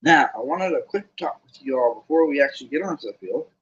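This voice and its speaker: A man doing a brisk, bossy team captain. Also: on the high side, lively intonation, fairly bright tone. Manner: brisk, lecturing. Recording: dull lo-fi recording.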